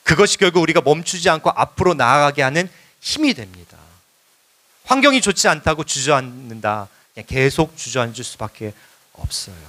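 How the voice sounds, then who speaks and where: A man preaching a Sunday sermon as a visiting missionary, telling his story in a conversational way and rising to loud exhortation. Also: very animated, a little fast. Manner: builds to loud, high-pitched exhortation in the close. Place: church sanctuary.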